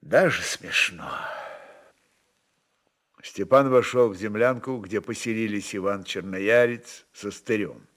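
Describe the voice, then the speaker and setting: A man narrating literary prose dramatically, in an expressive, measured manner with deliberate pauses. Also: mid-range voice.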